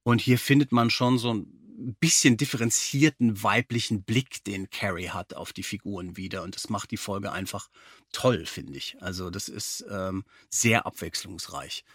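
A man's voice: on the low side, moderate pace, husky, no echo, studio quality. A man co-hosting a podcast in a conversational style. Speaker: podcast co-host.

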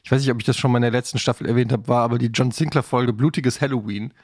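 A man chatting casually as a podcast co-host, thinking aloud with a halting delivery. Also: medium pitch, fairly even intonation, darkish tone, no echo, studio quality. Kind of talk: casual chat about childhood audio dramas.

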